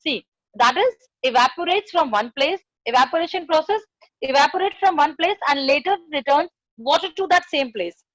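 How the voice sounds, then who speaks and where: A woman's voice: high voice, expressive, moderate pace, fairly bright tone, dry recording, poor audio. A woman with a South Asian accent teaching a poem in a classroom lesson, repeating phrases and questions for emphasis.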